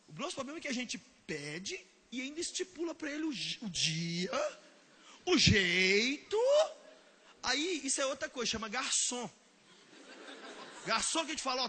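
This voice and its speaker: A male pastor delivers a comedic sermon, animated and prone to sudden shouts. His voice is very high, very bright and swings widely in pitch. A faint noise sits behind him. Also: breathy edge. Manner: animated, joking, bursts of shouting.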